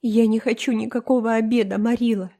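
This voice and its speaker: A woman's voice: mid-range voice, steady tone, normal speed, dark tone, close to an everyday voice. A woman voicing a dreamy, dramatic orphan girl in an audiobook, talking in a theatrical, emotional way. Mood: tragic. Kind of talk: audiobook character reading.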